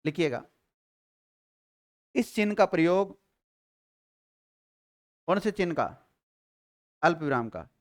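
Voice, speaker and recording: A man teaching a grammar class to students, asking questions and answering them himself, and dictating notes slowly with repeated phrases. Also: a little high, animated. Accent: Rajasthani Hindi.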